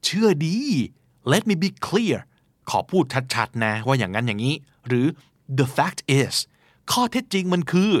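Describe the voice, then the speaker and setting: A man's voice: medium pitch, moderate pace, dry recording, clean studio sound. A man hosting a podcast, explaining words in a casual way and acting out playful examples. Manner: lively, teaching English words with playful acted examples. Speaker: podcast host.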